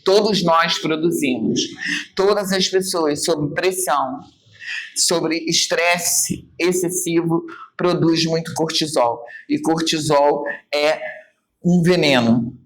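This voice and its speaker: Woman, Brazilian Portuguese accent, Bible study teacher, emphatic, expressive, talks straight to the group. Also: deep voice, takes it slowly. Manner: acts out quoted remarks in changed voices. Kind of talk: church Bible study lesson.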